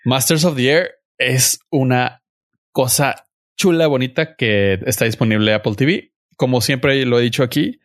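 A man's voice: medium pitch, normal speed, no echo. A young Mexican man talks over a podcast mic in a slangy, opinionated way. His voice sits in a middle range and the sound is dry and close. He gives his views firmly and holds his ground. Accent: Mexican Spanish. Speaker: podcast host. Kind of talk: casual chat reviewing a series.

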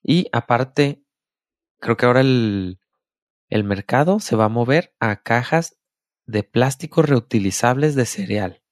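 A laid-back man with a Mexican Spanish accent chats casually, cracking dry jokes. His voice sits at an ordinary middle pitch. The sound is dry and close, with no room around it. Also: expressive, a little slow, no room sound. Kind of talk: casual podcast chat.

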